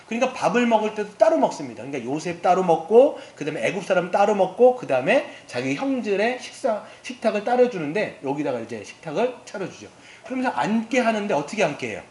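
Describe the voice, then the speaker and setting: A man preaches a sermon in a church sanctuary, retelling a story with lively swings in pitch and posing questions to his congregation. His voice sits a little high for a man. The sound comes back off the walls of a roomy hall, with a faint hiss underneath. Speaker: pastor.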